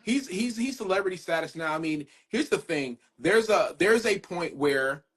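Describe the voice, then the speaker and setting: Podcast host guy, kinda husky, a bit high, really emphatic. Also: lively intonation, normal speed, fairly bright tone. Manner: emphatic, repeats himself. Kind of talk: casual podcast chat.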